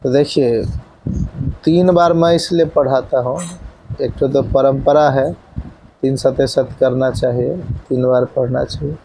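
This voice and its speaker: A man teaching a scripture class, reciting verses slowly and then explaining their pronunciation in a conversational way, often checking in with his listeners. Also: medium pitch, steady tone, creaky, mellow, low-quality recording.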